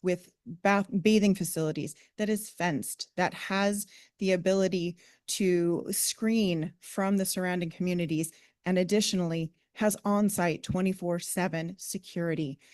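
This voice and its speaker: A woman with a fairly low voice gives formal testimony at a public meeting. Her delivery is measured and explanatory, and the sound is dry and close. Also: steady tone, darkish tone, dry recording.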